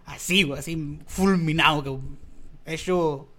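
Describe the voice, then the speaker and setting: A man's voice: sits high, animated, fast talker, fairly bright tone. A young Mexican man with a Mexican accent, co-hosting a podcast and telling a rambling, slangy story full of swearing. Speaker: podcast co-host. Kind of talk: casual storytelling chat.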